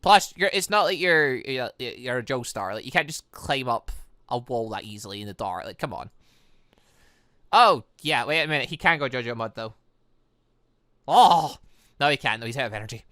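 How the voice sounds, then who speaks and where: An animated host commentates a visual novel playthrough in a bright, forceful voice. The pitch swings widely through exclamations and rambling asides, and the sound is dry. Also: normal speed, long pauses, no echo. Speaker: gaming channel host. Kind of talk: playthrough commentary mixed with reading game dialogue aloud.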